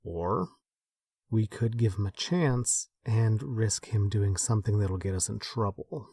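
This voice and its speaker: An actor playing a modest, self-doubting leader, hesitant and thoughtful, in naturalistic audio drama dialogue. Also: male voice, fairly low pitch, a little slow, dark tone, breathy edge, no room sound, studio quality. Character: modest, self-doubting man leading a small group.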